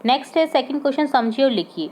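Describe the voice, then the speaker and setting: A woman teacher explaining a worksheet, spelling out words slowly and mixing in English terms. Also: high voice, expressive, a little mellow. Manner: slow, clearly spelled-out word lists mixed with English terms. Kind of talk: worksheet solution lesson.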